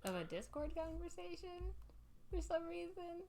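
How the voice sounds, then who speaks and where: A woman's voice: very high-pitched, sing-song, normal speed, gravelly, warm tone, slight background noise. A woman chatting playfully with a friend while drawing on a stream, teasing and laughing often. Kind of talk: casual drawing stream chat.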